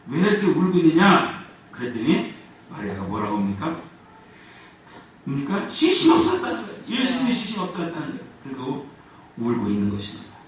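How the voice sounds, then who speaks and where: A man preaching a sermon as pastor, with animated swings between loud and soft. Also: fairly high pitch. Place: church sanctuary. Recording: echoey church hall from far off, faint noise.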